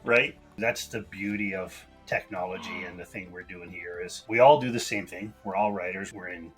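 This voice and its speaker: A man's voice: low-pitched, normal speed, faint music behind. A man hosting a podcast in casual, upbeat chat with his co-host and guest.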